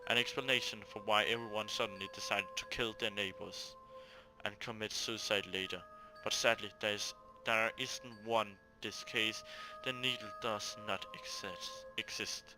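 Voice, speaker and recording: A man reading out a serious news report from a visual novel, in a slightly halting way. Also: on the low side, steady tone, music in the background, lightly acted, rough recording. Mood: sober. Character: sober newspaper reporter on a mass killing.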